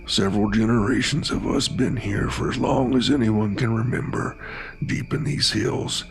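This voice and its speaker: A man voicing a calm, burly hill man with a thick, flat rural American country accent. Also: on the low side, moderate pace, vocal fry. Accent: rural American country drawl. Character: gruff hillbilly man, calm, deadpan, heavyset.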